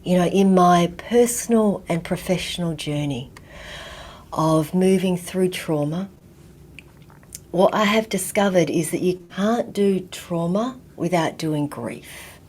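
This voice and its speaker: Gentle, soft-spoken woman. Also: lowish voice. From Vietnam, raised in Australia. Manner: slow, gentle, often drops to a near whisper. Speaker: guest teacher. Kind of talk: reflective talk.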